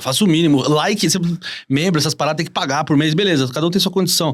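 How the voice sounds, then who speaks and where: The recording is very clean with a silent background. A man speaks in a fairly high voice. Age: 30s. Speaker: content creator. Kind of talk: casual podcast conversation. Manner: casual slangy, with repetitions.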